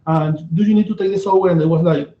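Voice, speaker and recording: Venezuelan-accented man, echoey lo-fi sound. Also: sits high. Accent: Venezuelan Spanish. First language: Spanish. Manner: searching for words, halting and animated. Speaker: host. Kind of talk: casual interview chat. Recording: echoey, dull lo-fi room sound.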